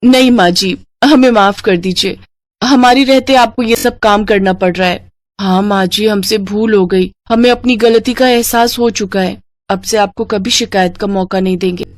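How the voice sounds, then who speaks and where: A woman's voice: mid-range voice, normal speed, no room sound, lightly acted. Woman voicing a polite, earnest young daughter-in-law. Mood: apologetic. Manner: polite, pleading. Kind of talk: Hindi cartoon family drama acting.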